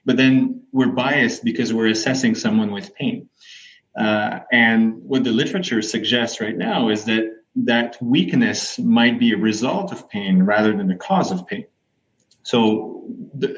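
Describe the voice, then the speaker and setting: Man, mid-pitched voice, slightly dull lo-fi audio, conversational expert interviewee, explains by example. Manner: explains with examples and rhetorical questions. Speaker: physiotherapist researcher guest.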